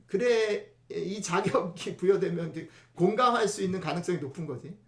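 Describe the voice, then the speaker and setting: A man's voice: high voice, moderate pace, fairly bright tone, echoey room. A male pastor giving a conversational sermon, chatty and often asking the congregation rhetorical questions.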